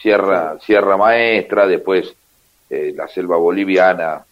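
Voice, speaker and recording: A man with an Argentine accent hosting a radio show, joking wryly and asking quick questions. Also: low-pitched, steady tone, muffled recording. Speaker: radio host. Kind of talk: casual radio chat.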